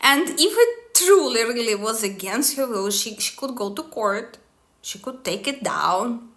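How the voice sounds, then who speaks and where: A woman's voice: a little high, big pitch swings, unhurried, fairly bright tone. A woman speaking slightly broken English in an angry, scornful, profane monologue. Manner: non-native English grammar. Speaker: tarot and destiny matrix reader.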